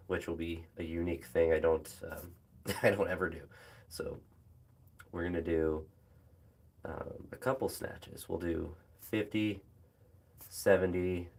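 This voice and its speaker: A young man, a phys ed teacher, chatting casually about his training with a hoarse, phlegmy throat and many fillers and pauses. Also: deep voice. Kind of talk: casual vlog chat while training.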